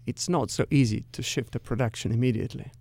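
A middle-aged man with a Russian accent, answering interview questions as a company executive in a measured, careful, explanatory way. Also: mid-range voice, vocal fry, a little mellow, no room sound.

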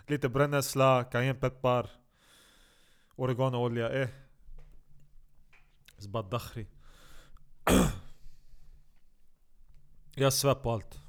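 A man delivering a rambling, profane comic monologue, jumping from loud outbursts to low mutters and often restarting his sentences. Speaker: comedic monologue host.

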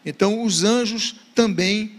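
A man's voice: high-pitched, measured pace. A man giving a Bible study lecture, reading scripture passages aloud and posing rhetorical questions. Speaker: Bible teacher.

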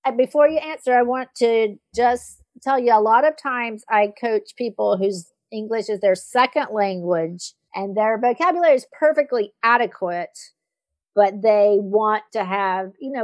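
A woman's voice: on the high side, dry recording. Dry-sounding woman coach hosting an interview. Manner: affirming, attentive listener with frequent backchannels. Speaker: host and executive communication coach. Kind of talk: conversational podcast interview.

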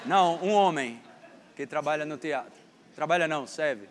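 Playful preacher in a reverberant hall. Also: male voice, on the high side, normal speed. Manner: joking, teasing a volunteer, animated. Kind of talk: playful sermon with a stage demonstration. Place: church hall with a congregation. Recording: long hall reverb, faint background noise.

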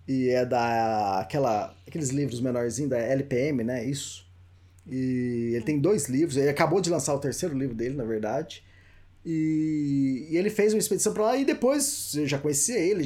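A man's voice: on the high side, warm tone. A Brazilian man with a Brazilian Portuguese accent, a book author chatting as a podcast guest, telling anecdotes with laughs. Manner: laughing storyteller, acts out quoted voices. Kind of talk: casual chat.

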